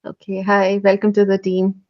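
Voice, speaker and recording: A woman's voice: medium pitch, completely flat delivery, normal speed. A woman running an online onboarding meeting for interns, polite and hesitant, with many fillers. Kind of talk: online meeting, training briefing. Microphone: video call. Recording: dull lo-fi call audio.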